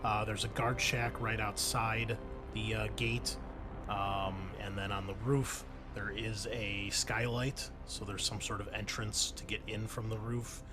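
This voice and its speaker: A man's voice: on the low side, level tone, a little slow. A man talking casually as game master, explaining options to players in a hesitant, explanatory way. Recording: background music behind the voice.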